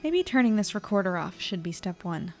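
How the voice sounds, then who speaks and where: A woman's voice: mid-range voice, sing-song, brisk, faint music behind. A woman playing an anxious, self-mocking young reporter in an audio drama, talking in a wry, rambling, hesitant way. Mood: worried, wry. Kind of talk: audio drama acting, intimate diary monologue.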